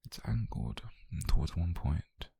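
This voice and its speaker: A British man playing an obsessive, possessive mafia boyfriend, calm and dangerous, in a slow, controlled, breathy half-whisper for an intimate ASMR roleplay. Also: deep voice, no echo, full character voice. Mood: quiet menace. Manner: slow, controlled, menacingly tender murmur. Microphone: close microphone, dry.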